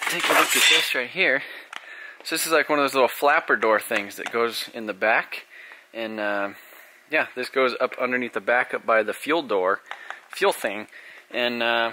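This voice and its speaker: A man at a moderate pace, with ordinary pitch variation, long, frequent pauses and light background noise. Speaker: car vlogger. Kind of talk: casual vlog chat. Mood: relaxed, upbeat. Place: garage. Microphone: phone near.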